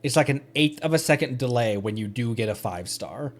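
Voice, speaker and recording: A man's voice: medium pitch, animated, fairly quick. A man chatting casually on a livestream during gameplay, easygoing and rambling as he corrects himself. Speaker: livestreamer, VTuber. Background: faint game music.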